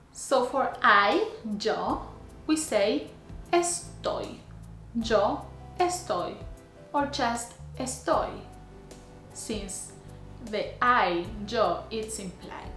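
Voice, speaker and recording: A woman, teaching to camera in a clear, deliberate way and slowing down to spell out example phrases. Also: fairly high pitch, expressive, sharp tone, echoey room, soft background music. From Argentina. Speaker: Spanish teacher. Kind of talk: scripted language lesson to camera. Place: small indoor room before a plain grey wall. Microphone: camera framed head and shoulders.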